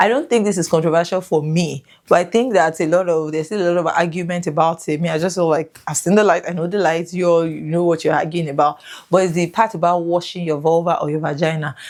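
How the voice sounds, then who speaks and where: A woman with a Yoruba accent talks very fast at a fairly low pitch, keeping her intonation fairly even. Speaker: lifestyle vlogger. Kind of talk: casual advice talk.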